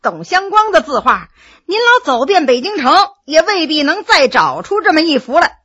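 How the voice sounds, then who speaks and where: A woman's voice: high voice, sing-song, normal speed, fairly bright tone, highs cut off. A woman voicing a fawning, anxious male antique shop owner in a storybook tale, with whining, exclamatory delivery. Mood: fawning, boastful. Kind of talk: dramatized storytelling.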